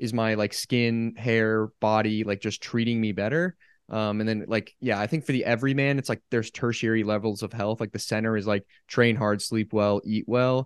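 A man's normal speaking voice, medium in pitch, at a moderate pace with fairly even intonation, over a quiet background. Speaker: podcast host. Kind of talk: casual interview chat. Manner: casual, conversational.

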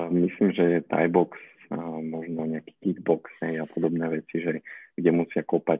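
A man's very deep, low voice, moderately paced, with monotone, flat intonation. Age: 20s. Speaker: entrepreneur and student. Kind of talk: interview.

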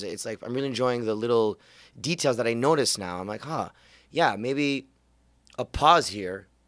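The recording is very clean, with a silent background. A man with a Montreal accent speaks in a bright, sharp tone. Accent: Canadian English, Montreal. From Canada, Montreal. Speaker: comedian. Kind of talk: casual interview chat. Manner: fast talker.

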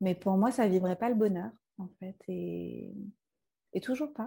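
At a very slow pace, a woman speaks at medium pitch in a dark, mellow tone on a very clean recording with a silent background. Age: 30s. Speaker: coach and therapist. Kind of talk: interview.

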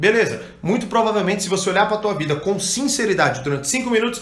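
Someone talks at a very fast pace in a Brazilian accent, with an animated tone. Noticeable background noise runs behind the speech. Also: man. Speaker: online self-help coach and livestreamer. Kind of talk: angry, swearing rant about self-improvement, live monologue. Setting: livestream, talking to viewers. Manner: animated, blunt, emphatic; profane, sarcastic, scolding.

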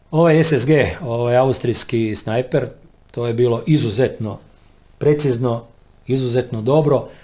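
A man with a medium pitch and a dark, mellow tone talks at a fairly slow pace. His intonation is fairly even, and he leaves long, frequent pauses. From Croatia, Ogulin (Gorski kotar). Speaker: war veteran. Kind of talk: interview. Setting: studio.

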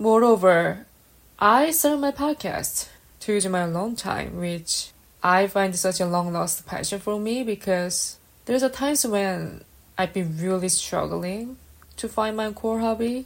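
At a fairly slow pace comes a plain, everyday voice. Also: woman, medium pitch for a woman, ordinary pitch variation. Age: 20s. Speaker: podcaster. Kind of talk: solo podcast monologue.

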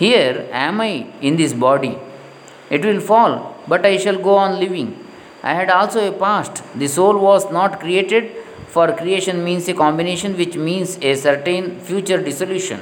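A man with a Kannada accent, high pitch and ordinary pitch variation, at a moderate pace, over noticeable background noise. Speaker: reader of religious texts. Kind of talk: reading aloud.

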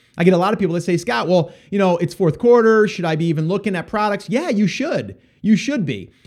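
A man talks at a very fast pace in a high pitch, with hardly any pauses. His tone is animated and enthusiastic, his intonation lively. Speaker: podcast host answering listener questions. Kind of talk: solo podcast Q&A monologue. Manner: animated, enthusiastic motivational tone; long-winded, rambling.

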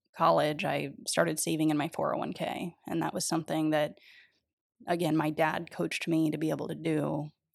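An American woman with an American accent speaks at a moderate pace in a very deep, low pitch, with vocal fry and monotone, flat intonation. The recording is very clean, the background silent. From South Florida. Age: 20s. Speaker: investment firm executive. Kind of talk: casual chat.

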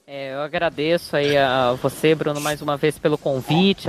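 The woman's very deep, low voice has fairly even intonation and a dry, close sound with no echo. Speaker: sports podcast panelist. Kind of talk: casual chat.

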